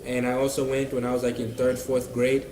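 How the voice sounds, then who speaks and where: A young man speaking from a busy cafe, with chatter around him and a roomy echo on his voice. He answers at an easy pace, relaxed, stopping often to fill gaps and repeat himself. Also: medium pitch, a little fast. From United States. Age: young adult. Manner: relaxed, hesitant with many fillers and repeats. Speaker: interviewee, university student. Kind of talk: casual interview answers.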